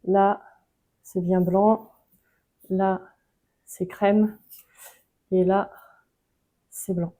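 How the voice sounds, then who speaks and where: A woman's voice: mid-range voice, very slow, pauses often, poor audio. A woman with a French accent, chatting casually through a book-crafting tutorial with frequent hesitations. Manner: relaxed, chatty, many hesitations.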